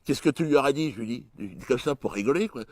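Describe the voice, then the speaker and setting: Male stand-up comic, crude and mocking, mid-pitched voice, dry close sound. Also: expressive, fast, no echo. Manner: crude, mocking, with sudden jumps in pitch and loudness. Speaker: stand-up comedian. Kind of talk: stand-up comedy routine.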